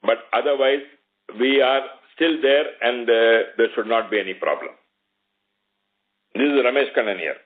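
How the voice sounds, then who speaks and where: A man's voice: medium pitch, normal speed, pauses often. A man with an Indian accent giving explanatory answers as a company executive on an earnings call. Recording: narrow muffled phone line.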